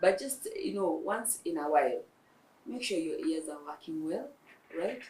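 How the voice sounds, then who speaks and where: A woman's voice: on the low side, expressive, moderate pace, darkish tone, slightly rough, low-quality recording. A woman ENT surgeon, explaining throat health in a TV interview with examples. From Kenya.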